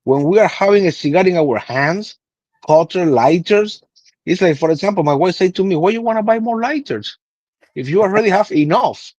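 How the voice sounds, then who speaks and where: Cuban-accented man, thirties, animated storytelling, slightly high voice, dull lo-fi sound, dry. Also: moderate pace, no echo. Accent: Cuban Spanish. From Cuba. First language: Spanish. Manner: animated storytelling with many restarts. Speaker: guest, cigar master blender. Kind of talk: casual interview.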